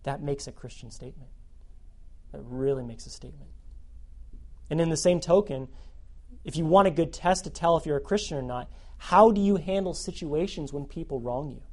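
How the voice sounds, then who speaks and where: Animated male youth pastor preaching. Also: a little high, moderate pace. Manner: animated, repeats phrases for emphasis. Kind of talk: sermon.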